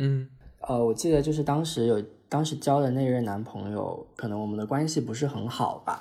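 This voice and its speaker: With ordinary pitch variation and a dark, mellow tone, the speech moves at a moderate pace. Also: man, medium pitch for a man. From Guangdong, Zhongshan. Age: 20s. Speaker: study-abroad consulting entrepreneur. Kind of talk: casual interview.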